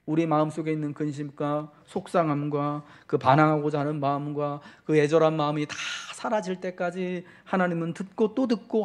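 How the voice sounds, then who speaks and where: A male pastor with a slightly high voice preaches a Sunday sermon, speaking directly to his congregation. He asks question after question and slows down, swelling his delivery to stress key words with fervent emphasis.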